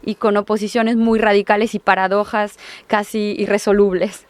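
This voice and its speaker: A woman author raised in France, a guest on a radio interview, speaking in a measured, reflective way. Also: mid-range voice, little pitch movement, a little mellow, dry recording.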